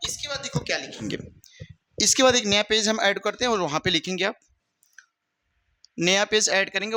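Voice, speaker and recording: A man's voice: high-pitched, bright, forceful tone, no room sound. A man teaching an exam-prep grammar lesson. He asks questions, answers them himself and calls the students "my brother.".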